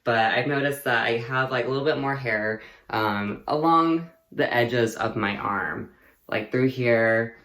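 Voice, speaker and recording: A man's voice: mid-range voice, a little slow, fairly bright tone. A young man vlogging a casual personal update, rambling and chatty with lots of fillers and easy laughter. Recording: echoey room.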